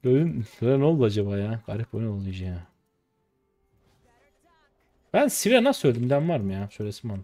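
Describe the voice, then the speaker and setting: A man's voice: fairly low pitch, quick pace, pauses often, faint music behind. A man in his late twenties from Turkey, a streamer giving slangy, casual commentary over his own gameplay. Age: late 20s. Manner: slangy, excitable, shouts when the game turns.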